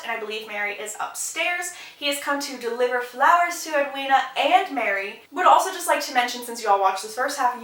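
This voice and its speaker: A young woman recapping a show in a lively, gossipy way, tossing in quick asides. Her voice sits a bit high. She sounds distant from the mic, in an echoey room. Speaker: host.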